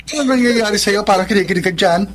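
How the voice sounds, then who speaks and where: A man's voice: high-pitched, quick pace, faint music behind, close to an everyday voice. Man playing a campy, sassy Filipino gay best friend. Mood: playful. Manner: effeminate, sassy, playful camp delivery. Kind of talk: Filipino radio romance drama acting.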